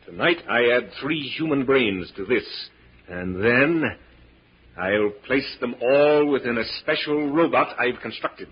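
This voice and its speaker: A megalomaniac mad scientist gloats and commands with wildly swinging, theatrical delivery. The voice is slightly husky, in a muffled old radio drama recording. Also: male voice, mid-range voice, lively intonation, measured pace. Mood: grandiose. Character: megalomaniac mad scientist professor, grandiose and menacing.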